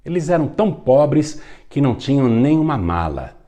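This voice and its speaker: A pastor narrating a story during a sermon, in a dramatic, emphatic manner. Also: male voice, medium pitch, big pitch swings, moderate pace, dark tone.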